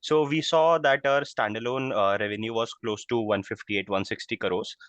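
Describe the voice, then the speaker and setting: A man's voice: lowish voice, fairly even intonation, normal speed, fairly bright tone, no echo. An Indian-accented man politely putting financial questions on an earnings call, with slightly hesitant phrasing. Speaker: investor asking questions.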